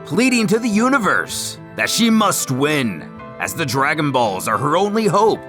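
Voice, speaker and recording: A man delivers scripted recap narration with a theatrical storyteller's flair. His voice sits on the high side and swings very widely in pitch, over a music bed. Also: big pitch swings, normal speed. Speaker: narrator of a comic recap series.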